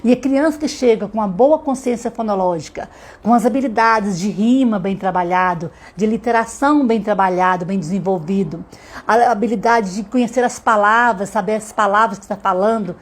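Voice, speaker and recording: A woman with a Brazilian Portuguese accent, a literacy teacher giving a live online lesson to mothers. She talks to them directly and slows down to sound out words syllable by syllable. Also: mid-range voice.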